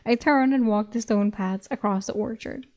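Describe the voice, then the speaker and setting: A young woman with a Swedish accent reads a fantasy novel aloud in a slightly high voice. She is a native Swedish speaker and keeps slipping into giggly asides between passages. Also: moderate pace, darkish tone. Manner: giggly, breaks into laughter. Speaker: vtuber reading a novel aloud. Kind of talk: audiobook reading with commentary.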